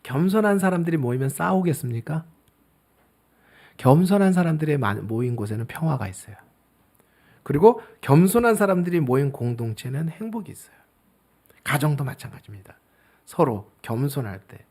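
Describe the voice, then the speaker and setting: Middle-aged man, pastor, sermon, lively pitch, fairly high voice, loud-to-soft swings. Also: normal speed, long pauses. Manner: animated preaching, swings from loud emphasis to soft asides.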